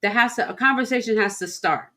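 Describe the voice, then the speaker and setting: A woman hosting a casual interview, agreeable and quick to laugh along. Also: a little high, pushed and bright. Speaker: interview host.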